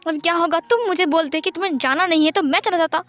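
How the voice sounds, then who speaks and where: An exasperated father in a spoken fan story scolds his son about a lost deal, as a woman reads him out in a high, rising voice. He stays bright and loud while he lectures. A little music sits faintly behind him. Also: fast talker. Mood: upset. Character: angry middle-aged businessman father.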